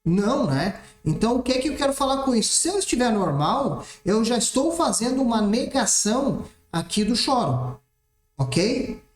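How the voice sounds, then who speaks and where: High-voiced math teacher. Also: male voice, big pitch swings, normal speed. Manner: explanatory, checks in constantly with "tá?". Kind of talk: recorded exam-prep lesson. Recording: roomy echoey room.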